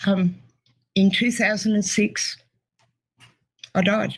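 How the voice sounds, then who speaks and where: With an Australian accent, a woman speaks very slowly at a medium pitch, her voice somewhat breathy and her intonation monotone and flat. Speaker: near-death experiencer. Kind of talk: testimony.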